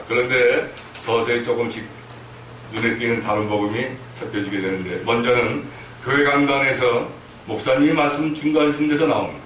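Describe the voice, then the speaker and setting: A man's voice: mid-range voice, fairly bright tone. A man preaching a sermon at a church prayer meeting, earnest and emphatic, with rhetorical questions to the congregation. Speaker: missionary preacher. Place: church hall. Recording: echoey hall from far off, faint noise.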